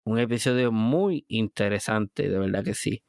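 A man's voice: lowish voice, normal speed, creaky, darkish tone, dry recording, studio quality. A man with a Puerto Rican, Caribbean Spanish accent hosting a casual podcast monologue, emphatic and conversational as he speaks straight to the listener. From Puerto Rico. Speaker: podcast host.

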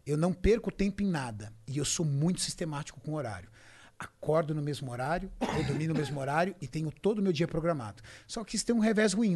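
Emphatic man with a higher voice. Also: a little mellow. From Brazil. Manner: emphatic, acts out quoted dialogue. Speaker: bodybuilding champion guest. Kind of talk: podcast interview storytelling.

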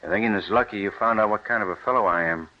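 A man's voice: lowish voice, very fast, lightly acted. An actor playing an earnest, stubborn young man who gives up his university job to farm, in a 1940s radio play. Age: young adult. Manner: earnest and intense. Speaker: young scientist turned farmer. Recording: muffled old radio recording.

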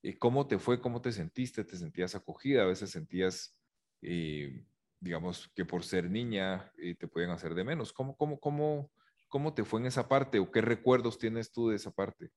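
A man's voice: on the low side, normal speed, a little mellow. A man interviewing a footballer, asking long, rambling questions full of fillers. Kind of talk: conversational interview.

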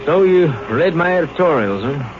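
An actor playing a cynical, world-weary small-town newspaper editor in a 1950s radio drama, wry and resigned. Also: male voice, on the high side, animated, moderate pace, highs cut off, natural voice. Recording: noisy band-limited 1950s radio recording.

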